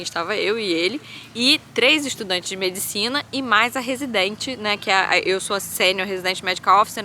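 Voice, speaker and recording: A woman in her thirties, a doctor, venting candidly in a vlog monologue, animated and full of fillers. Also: medium pitch, slight background noise. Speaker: vlogger and hospital doctor.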